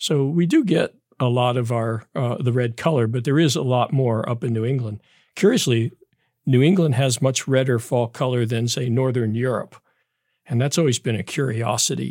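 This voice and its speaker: A plain, everyday voice from a man with an American accent, medium pitch, ordinary pitch variation and a moderate pace, in a very clean recording with a silent background. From Maryland. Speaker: biology professor. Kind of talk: radio interview.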